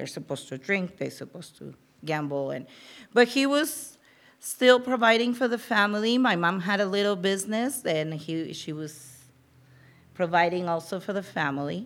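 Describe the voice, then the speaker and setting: On a very clean recording with a silent background, a woman with a Spanish accent speaks at a moderate pace and a medium pitch. Her pitch swings very widely. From Mexico. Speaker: church member. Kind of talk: testimony. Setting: church. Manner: halting.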